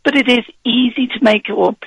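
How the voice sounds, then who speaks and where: A man with a husky voice, worn from speaking the week before, giving confident, instructive advice on presenting as a guest in a radio interview. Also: extremely high pitch, brisk, no room sound.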